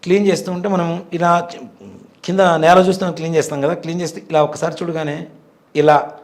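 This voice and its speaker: A man's voice: on the high side, little pitch movement, brisk. A man in his forties, a temple priest, earnestly telling a devout personal story in an interview. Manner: earnest, devout, vivid retelling.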